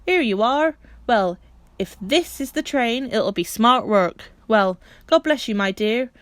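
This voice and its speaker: A woman voicing a kindly working-class railway porter who talks in a homely, excited dialect. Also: on the high side, takes it slowly, dry recording. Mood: excited warmth.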